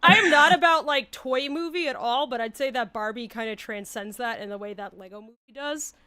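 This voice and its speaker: A woman's voice: sits high, over a noisy crowd. A woman co-hosting a livestream, chatting eagerly and laughing often. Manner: enthusiastic, quick to laugh. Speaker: co-host. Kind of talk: casual livestream chat.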